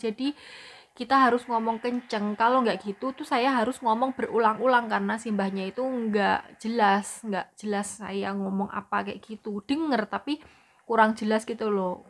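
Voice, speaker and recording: A young Indonesian woman with a Javanese accent, chatting casually to her viewers about looking after an elderly person at home. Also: on the high side. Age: young adult. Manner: chatty, explaining, often says "gitu". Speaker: vlogger, caregiver for an elderly person. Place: home in a city. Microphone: phone.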